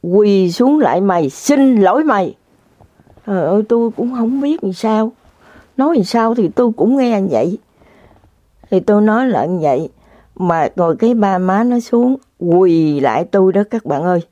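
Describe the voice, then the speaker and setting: A woman's voice: mid-range voice, animated, normal speed, mellow, dry recording. A woman telling a story to her viewers in a casual, dramatic, exclamatory way. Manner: dramatic, exclamatory, speaks straight to the audience. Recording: dull lo-fi dry recording.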